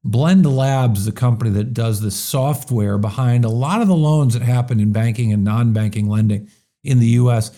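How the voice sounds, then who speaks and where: A man's voice: medium pitch, normal speed, dark tone. A man hosting a business talk show, talking in a chatty, opinionated way with plenty of fillers. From US Midwest. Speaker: show host.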